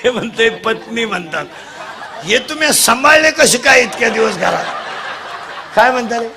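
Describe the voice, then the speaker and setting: A man leading a comic devotional kirtan, teasing the crowd and quizzing children, urging them to answer loudly. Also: very high-pitched, expressive, moderate pace. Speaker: kirtan preacher. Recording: live crowd with faint noise.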